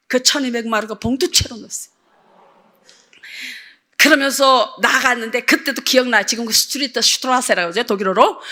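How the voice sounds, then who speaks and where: A middle-aged woman missionary giving a lively testimony sermon to a church audience, acting out her past self as she tells the story. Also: high-pitched. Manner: animated storytelling, acts out her own past voice. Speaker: missionary preacher. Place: church service with audience laughing.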